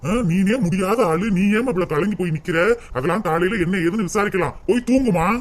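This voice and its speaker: A man's voice: high voice, quick pace, lightly acted. A man voicing a dutiful grown son and husband who soothes his family with repeated coaxing in a cartoon. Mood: soothing. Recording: clear hiss under the voice.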